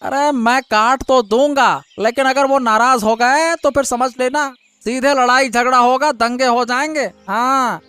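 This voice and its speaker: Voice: sits high, a little slow, fairly bright tone, clean tone. A voice actor playing a timid, worried village husband in a cartoon story, fretful and pleading. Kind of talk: cartoon voice acting.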